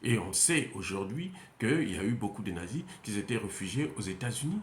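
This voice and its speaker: Male, Central African French accent, emphatic and repetitive, lively pitch, echoey room. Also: fairly quick. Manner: emphatic, repetitive, many hesitations. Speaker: commentator. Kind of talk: unscripted monologue. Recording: roomy echo.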